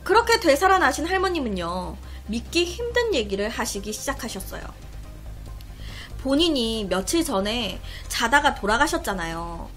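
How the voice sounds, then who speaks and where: A woman's voice: on the high side, very animated, moderate pace, faint music behind. A woman telling a mystery story to her viewers, dramatic and chatty, with asides to the audience. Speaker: storytelling YouTuber. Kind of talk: narrating mystery stories.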